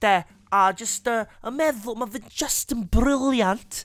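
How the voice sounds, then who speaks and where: A man's voice: very high voice, measured pace, fairly bright tone, dry recording. A Welsh man bantering casually and playfully in a comedy impressions challenge, switching between impression voices.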